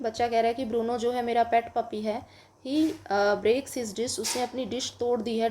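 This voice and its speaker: Indian woman teacher, unhurried delivery, fairly high voice, patient with kids. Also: mellow, a little hiss or hum. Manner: slow, patient, addresses children, asks and answers own questions. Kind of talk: bilingual lesson explaining English workbook in Hindi.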